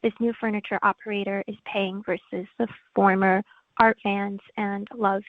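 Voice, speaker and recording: Woman, analyst, polite, measured, phone-line audio, dry. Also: medium pitch, little pitch movement, no echo. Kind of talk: asking questions on a call.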